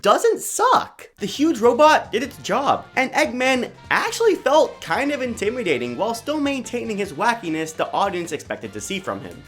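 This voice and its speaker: A young adult woman hosting a video essay, narrating her opinions in a casual, slangy, emphatic way with mild swearing and dry asides. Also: medium pitch. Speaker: host of a video essay channel. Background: background music.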